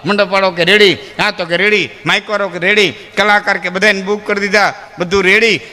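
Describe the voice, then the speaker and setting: A man's voice: high-pitched, flat delivery, a little fast, pushed and bright. A man telling humorous folk stories live to an audience, speaking straight to his listeners as friends. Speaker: folk storyteller. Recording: long hall reverb with faint music.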